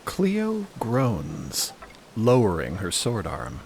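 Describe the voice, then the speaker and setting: A man's voice: mid-range voice, wildly swooping pitch, drawn-out words, creaky, a little mellow, slight background noise. A man narrator reading scripted audio fiction.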